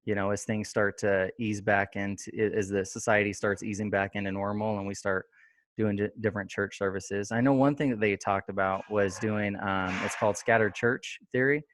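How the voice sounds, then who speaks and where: A man with a fairly low voice hosts a laid-back podcast chat, looping through "um"s and half-started sentences. The sound is dry and close, with no room around it. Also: steady tone, normal speed, fairly bright tone, no room sound. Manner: rambling, many fillers and restarts. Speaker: podcast host. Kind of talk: casual interview chat.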